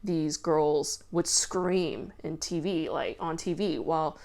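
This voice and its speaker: A woman hosting a podcast, talking loudly and casually with lots of fillers. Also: low voice, slow pace. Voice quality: loud voice. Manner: chatty, filler-heavy with frequent "like" and swearing. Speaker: podcast host. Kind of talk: casual commentary monologue.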